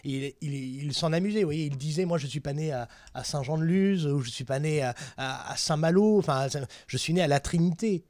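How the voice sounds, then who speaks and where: A man's voice: on the high side, brisk, hardly any pauses, darkish tone, dry recording, studio quality. A man hosting a panel discussion, talking casually with many hesitations and restarts. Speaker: panel host.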